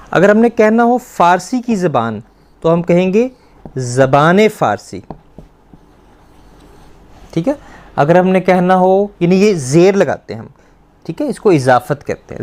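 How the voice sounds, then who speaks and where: A man teaching a language lesson, explaining step by step, repeating words slowly and quizzing a student. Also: sits high, a little mellow.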